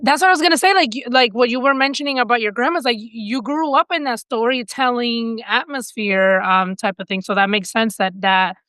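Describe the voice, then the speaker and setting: Female podcast host, mid pitch, supportive and affirming, dry recording. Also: brisk, few pauses, a bit bright, smooth, no room sound. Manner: encouraging, frequent affirmations. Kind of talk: casual interview.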